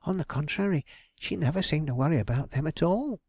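Man doing a middle-aged landlady, high fretful voice, flustered, aggrieved, dry close sound. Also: expressive, darkish tone, husky, no room sound. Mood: eager. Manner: high, fretful, quick protests.

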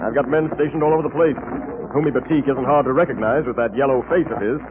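An actor playing a hearty, cooperative police captain in an old radio serial. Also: male voice, medium pitch, fast talker, lightly acted. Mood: hearty, impressed. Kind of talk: 1940s radio serial acting. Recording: noisy, tinny old radio recording.

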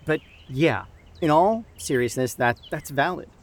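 An actor playing an earnest, encouraging church camp youth leader who haltingly repeats and restarts his phrases in an audio drama. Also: a little high, animated. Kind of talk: improvised-sounding audio drama dialogue. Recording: outdoor background noise with birdsong.

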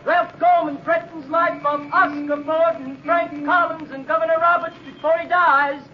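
An actor playing a newsboy hawking papers in an old radio drama. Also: male voice, very high-pitched, fairly even intonation, normal speed. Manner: hawking, sing-song calls. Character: shouting young male newsboy. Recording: dull old radio recording with hiss.

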